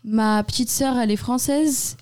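A woman's voice: on the high side, measured pace, a little mellow, clean tone, dry recording. A teenage girl from Poland with a Polish accent, talking as a student guest in a chatty, emphatic way. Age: teens.

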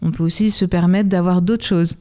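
A woman's voice: lowish voice, fairly even intonation, normal speed, warm tone. A woman answering as an interview guest for a music venue, explaining things in a conversational, welcoming way.

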